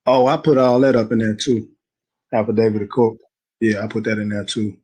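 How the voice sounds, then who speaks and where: A man in an interview, retelling a court visit in a rambling, animated way, quoting what people said. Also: fairly low pitch, a little fast, slightly rough, poor audio. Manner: rambling, animated retelling with slang and quoted dialogue. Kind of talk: casual storytelling.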